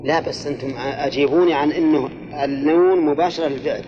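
An older man speaking quickly in a warm, slightly high voice teaches grammar and exegesis, quizzing his class as he goes. He explains step by step and repeats key phrases, though the recording is muffled with a little background noise.

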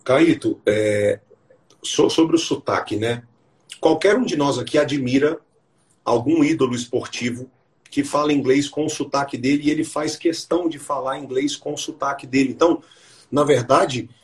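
A man who teaches English, hosting a live podcast chat and explaining his method with lively stories. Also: medium pitch, moderate pace. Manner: explanatory, enthusiastic storytelling.

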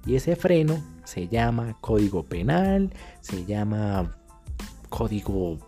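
A Colombian man talking casually in a storytelling monologue, full of crude slang, swinging between loud bursts and muttering. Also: fairly low pitch, very animated, slow, soft background music. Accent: Colombian Spanish. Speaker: vlogger.

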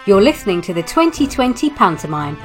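A woman's voice: mid-range voice, sing-song, brisk, faint music behind, lightly acted. A woman playing a dry, reluctant storybook narrator in an audio pantomime. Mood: storytelling. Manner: dry, grudging, sarcastic.

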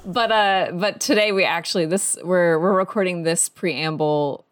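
A woman's voice: fairly low pitch, steady tone, moderate pace, no echo, studio quality. A woman co-hosting a podcast in casual chat, playful and full of "like" fillers. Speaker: podcast co-host.

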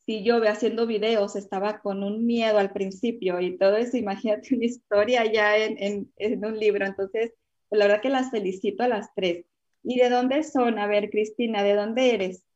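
A woman's voice: medium pitch, fairly even intonation, normal speed, a little mellow, muffled recording. A woman hosting a casual panel chat, chatty and full of fillers and exclamations. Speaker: host.

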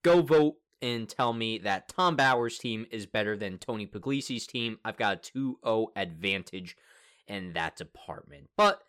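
A young man co-hosting a casual sports podcast, joking and excitable, laughing often. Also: fairly low pitch, measured pace. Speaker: podcast co-host.

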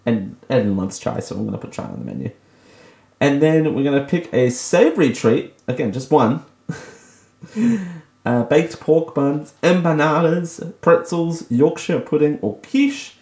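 This is an Australian man hosting a casual solo radio show. He chats loosely and mocks himself, and he laughs often. His pitch swings widely, and his voice carries an echo from the room. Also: animated, a little slow, gravelly, a little mellow. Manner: chatty, self-mocking, laughs often. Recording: echoey room.

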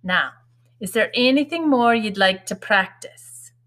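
A woman's voice: medium pitch, animated, measured pace, fairly bright tone, voice pushed up. A woman voicing a proud, fussing working-class mother who drills and scolds her children in folksy, ungrammatical speech in a storybook reading. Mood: scolding.

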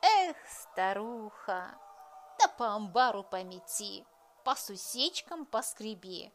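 A woman's voice: medium pitch, very animated, slow, soft background music. A woman voicing a folksy old peasant grandfather coaxing his wife in a children's fairy tale.

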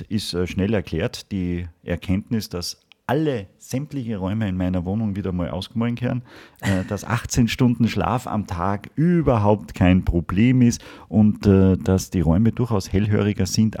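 A man's voice: low-pitched, warm tone. A man co-hosting a podcast, cracking dry jokes and hesitating often. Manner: dry joking, hesitant with many fillers. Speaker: podcast co-host. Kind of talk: casual podcast chat.

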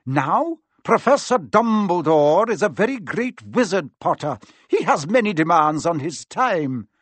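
A man's voice: high voice, big pitch swings, unhurried, dry recording, voice pushed up, full character voice. A man voicing a stern, strict older female professor who speaks coldly and curtly in a storybook reading. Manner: clipped, cold.

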